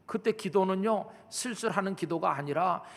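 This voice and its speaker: A man's voice: high voice, normal speed, gravelly, fairly bright tone. A middle-aged man preaching a sermon as a pastor, talking to the congregation in a conversational way and acting out prayers and the voices of church members. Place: large church sanctuary. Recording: long hall reverb.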